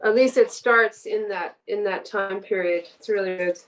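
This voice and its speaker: A woman with a Canadian accent talks as a writer being interviewed. Her voice sits at a middling pitch, and she feels her way through sentences in a hesitant, conversational style. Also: fairly even intonation, a bit bright, rough recording. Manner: hesitant, halting, searching for words. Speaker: guest writer and poet. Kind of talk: casual literary interview.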